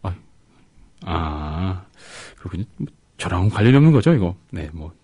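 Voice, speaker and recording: With a deep, very animated voice carrying a breathy edge, a man co-hosting a radio show reads listener comments and chats in a soft, hesitant way, pausing between words. No room sound is present.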